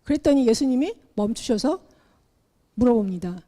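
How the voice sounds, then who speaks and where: A middle-aged woman preaching a sermon in an animated way, acting out the Bible characters as she tells their story. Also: fairly high pitch, normal speed. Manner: animated, acts out the Bible characters in her telling.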